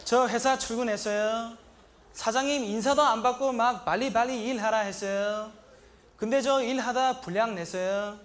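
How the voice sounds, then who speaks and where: A naive, earnest young migrant worker with a Sri Lankan accent and a strikingly high voice. He talks in short, broken sentences in a comedy monologue and breaks into a shouted, indignant catchphrase. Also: moderate pace, a little hiss or hum. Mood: plaintive. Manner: broken, simple Korean sentences.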